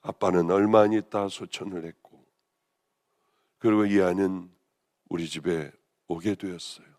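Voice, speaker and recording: Hoarse woman pastor preaching with passion. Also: a bass voice, fairly even intonation, normal speed. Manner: impassioned, swinging between raised exclamations and hushed near-whispers. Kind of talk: sermon.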